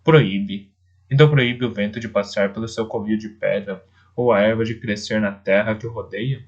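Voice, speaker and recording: A man's voice: fairly low pitch, steady tone, normal speed. A man voicing a proud, defiant young male wolf in an audiobook, talking in a scornful, insistent way. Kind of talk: audiobook character voice. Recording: dull lo-fi recording.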